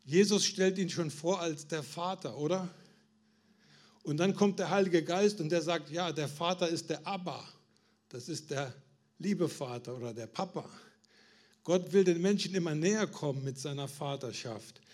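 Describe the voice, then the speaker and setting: A man's voice: a little high, moderate pace, a little mellow. A man preaching a sermon to a congregation, asking them questions and building emphasis, with frequent restarts. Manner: restarts and stumbles on words.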